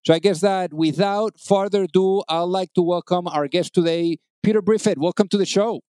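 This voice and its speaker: A man's voice: high voice, moderate pace, a little mellow, no room sound, clean studio sound. A man hosting a business podcast, introducing his guest and asking questions with enthusiasm and frequent restarts. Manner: enthusiastic, repeats words when restarting. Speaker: podcast host. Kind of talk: conversational interview.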